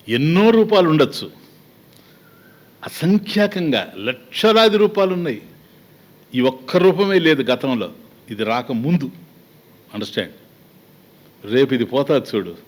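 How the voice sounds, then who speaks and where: A man with a Telugu accent giving a spiritual discourse as a swami, talking conversationally with many rhetorical questions and acted-out little exchanges. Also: mid-range voice.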